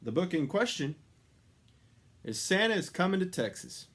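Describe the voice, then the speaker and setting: A man reading a children's story aloud as an expressive narrator. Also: high voice, normal speed, slightly rough. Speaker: storybook reader.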